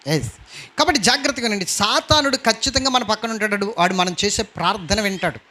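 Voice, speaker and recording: A man's voice: high-pitched, fast, bright, forceful tone. A man preaching a sermon as pastor, emphatic and repeatedly calling out questions to his congregation.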